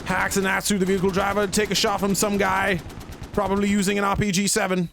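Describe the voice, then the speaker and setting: A man doing an excited, put-on British accent as a theatrical play-by-play caster for a tactical shooter match. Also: sits high, fast, creaky, background noise. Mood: hyped. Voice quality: hammy, theatrical hype delivery. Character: excitable male British-style game caster. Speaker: gameplay commentator.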